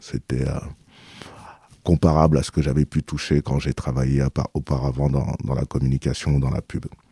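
With a very deep, low pitch and a dark, mellow tone, a man speaks in a monotone, flat delivery marked by vocal fry. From Île-de-France, France. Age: 30s. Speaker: former cannabis dealer. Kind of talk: interview testimony.

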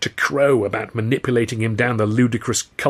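A passage read aloud in a natural voice

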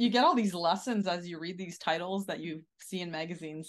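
A woman talks fairly quickly in an ordinary speaking voice at a medium pitch, with ordinary pitch variation. The background is quiet. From Ottawa, Canada. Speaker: artist and breakthrough coach.

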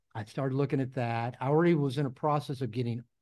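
A man's medium-pitched voice with ordinary pitch variation, a plain, everyday voice, against a quiet background. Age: 60s. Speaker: therapist and author. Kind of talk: interview.

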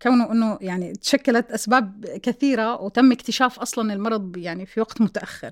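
Lively in intonation, a woman with an unremarkable speaking voice and fairly high pitch talks at a moderate pace in a very clean recording with a silent background and a dry, close sound with no echo. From Kuwait, Jordanian family. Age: 40s. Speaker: heart transplant recipient. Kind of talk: personal testimony interview.

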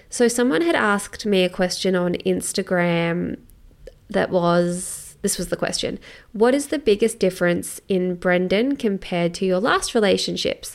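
A woman's voice at medium pitch and moderate pace, with ordinary pitch variation. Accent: Australian. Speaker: podcast host. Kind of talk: solo monologue answering listener questions.

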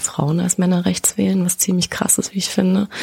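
A woman speaks over noticeable background noise. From Saxony, eastern Germany. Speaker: policy officer at a political foundation. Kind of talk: interview.

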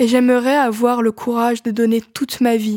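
Recorded dry and close with no echo, a woman talks at a moderate pace in a fairly high pitch with a dark, mellow tone. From Russia. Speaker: poet. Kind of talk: interview; reading aloud.

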